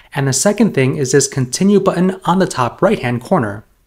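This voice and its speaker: Over a quiet background, a man speaks at a moderate speed. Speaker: presenter. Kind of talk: tutorial.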